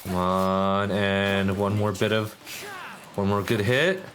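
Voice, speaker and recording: A man's voice: on the low side, steady tone, slow pace, a bit bright, faint music behind. A man streaming a video game, chatting casually and thinking aloud. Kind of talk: casual gameplay commentary.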